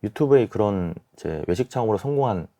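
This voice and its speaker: A man in his forties giving measured, softened explanations as an expert guest in a radio interview. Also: lowish voice, animated. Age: 40s. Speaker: guest, small-business expert and YouTuber. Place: radio studio.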